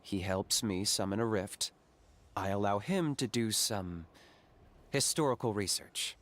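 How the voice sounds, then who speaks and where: A man's voice: fairly low pitch, a little slow, fairly bright tone. An actor playing a stoic young male hunter in a video game, curt and matter-of-fact.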